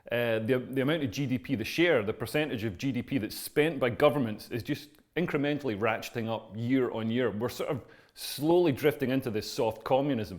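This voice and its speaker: In a very clean recording with a silent background, a man with a Scottish accent speaks fairly quickly at a medium pitch. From Scotland. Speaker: comedian. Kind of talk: interview answer. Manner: conversational, hesitant.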